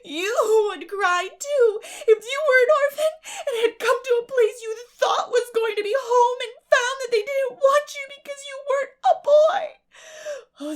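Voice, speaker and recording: Storybook orphan girl, eleven: high-pitched, breathy, theatrical, eager and emotional. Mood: anguished wailing.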